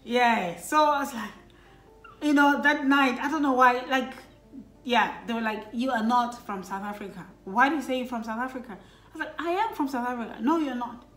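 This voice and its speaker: A woman's voice: a little high, normal speed, fairly bright tone. A middle-aged woman from Lesotho telling a personal story to her children, casual and reflective, with many fillers. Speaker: vlogger talking with her children. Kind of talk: casual family chat. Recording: roomy echo with faint background music.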